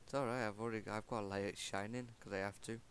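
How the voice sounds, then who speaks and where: A man's voice: on the low side, steady tone, fast talker, slight background noise. Teasing man chatting over a game. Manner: teasing, laughs often. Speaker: gamer. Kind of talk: casual gaming voice chat.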